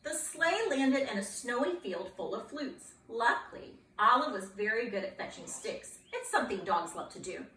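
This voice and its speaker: Woman, storybook read-aloud, bright sharp tone, echoey room a bit off-mic. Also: on the high side, moderate pace, few pauses, recorded from a distance. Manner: animated, playful, asks listeners questions. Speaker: librarian reading aloud.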